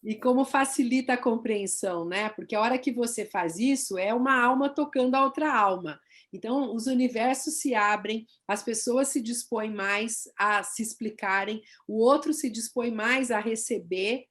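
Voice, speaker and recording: Woman panelist, slightly high voice, reflective delivery. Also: normal speed, few pauses. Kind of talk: casual panel chat.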